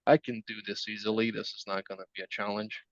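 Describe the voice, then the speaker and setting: A man in his twenties chatting casually in a group session, teasing and chatty with halting starts. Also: fairly low pitch, little pitch movement, no room sound, highs cut off. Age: 20s. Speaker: group participant. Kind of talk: casual chat.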